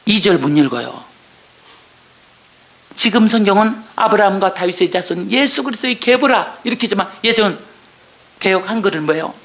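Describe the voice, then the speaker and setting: A woman's voice: mid-range voice, animated, normal speed, long pauses, reverberant. A woman missionary giving an emotional testimony, earnest and tearful, with many exclamations and rhetorical questions.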